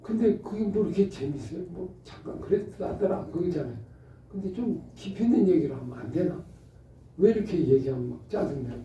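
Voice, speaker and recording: A middle-aged male pastor giving an animated Bible study, asking rhetorical questions and acting out short exchanges. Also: high-pitched, fairly quick, a little hiss or hum. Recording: muffled roomy audio from a distant mic.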